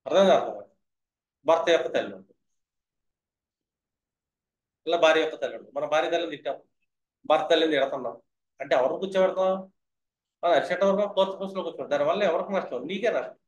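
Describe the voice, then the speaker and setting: Fast, high-voiced man lecturing in an echoey room. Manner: lecturing, keeps asking listeners if they understood. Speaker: astrology teacher. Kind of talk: lecture on astrology.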